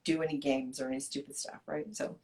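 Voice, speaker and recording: A woman's voice: rumbling low, little pitch movement, quick pace, darkish tone. Woman sexologist co-hosting a chat show. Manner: advice-giving, laughs often. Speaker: co-host, sexologist. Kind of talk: casual chat show banter.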